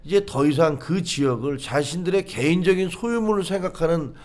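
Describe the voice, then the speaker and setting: Male political commentator with a slightly raised pitch who recounts things with animation and plays out other people's lines. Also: fairly quick. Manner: animated storytelling, acts out what people said. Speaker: political commentator, former party official. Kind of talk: political talk show discussion.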